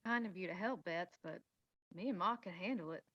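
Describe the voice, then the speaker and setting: A woman's voice: fairly low pitch, fairly quick, lightly acted. Woman acting a worried townswoman, muffled sound. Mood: plainspoken. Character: worried, weary, kind mining-town woman. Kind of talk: screenplay table read. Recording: dull, lo-fi sound.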